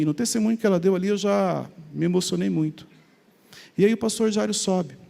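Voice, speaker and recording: A middle-aged Brazilian man telling his personal faith testimony in an animated storytelling way, acting out remembered conversations. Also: high-pitched, creaky, long reverb tail. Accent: Brazilian Portuguese. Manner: animated, acts out remembered dialogue. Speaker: speaker sharing a faith testimony.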